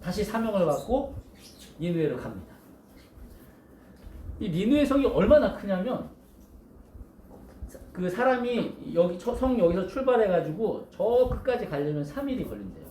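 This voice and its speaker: A male pastor giving a storytelling sermon to children, animated and asking his listeners questions. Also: high voice, normal speed, pauses often, roomy sound, slight background noise.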